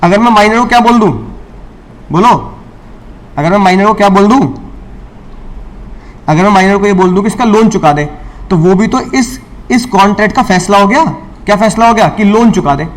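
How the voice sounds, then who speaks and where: A middle-aged man with a fairly high voice lectures a classroom on law. He quizzes the students and answers his own questions, repeating key points. He slips English legal terms into Hindi and teases the class now and then. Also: normal speed, long pauses.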